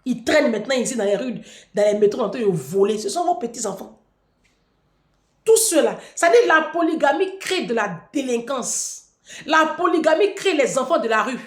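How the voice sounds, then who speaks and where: A woman's voice: sits high, expressive, normal speed. A woman delivering a taunting, provocative vlog rant. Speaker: vlogger. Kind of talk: mocking monologue to camera. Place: room in France. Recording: echoey room.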